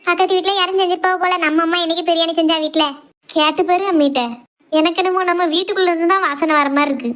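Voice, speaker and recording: Brief: woman voicing bright, chirpy cartoon teen girls, teasing, Kanyakumari Tamil accent. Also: extremely high pitch, fairly even intonation, very fast. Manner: cheeky, teasing. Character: teasing teenage daughters, cheeky and bickering.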